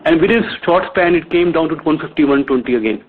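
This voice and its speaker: A man's voice: on the high side, fast, breathy edge. A man with an Indian accent explaining figures as a company executive on an earnings call, stumbling over some words. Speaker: company executive answering questions. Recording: narrow phone conference line.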